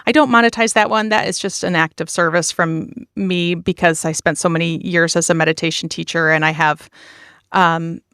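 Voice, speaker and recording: Clear, smooth-voiced woman in an interview. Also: on the low side, fairly even intonation, normal speed, fairly bright tone, no echo, clean studio sound. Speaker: podcast creator being interviewed, meditation teacher. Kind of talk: conversational interview answers.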